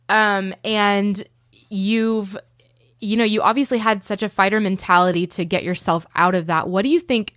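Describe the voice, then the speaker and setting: A woman in her thirties hosts a casual interview podcast, asking questions in an upbeat, chatty way. Her voice sits at an ordinary middle pitch. The recording is close and dry, with no room sound. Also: no echo. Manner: upbeat, chatty, laughs easily. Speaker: podcast host.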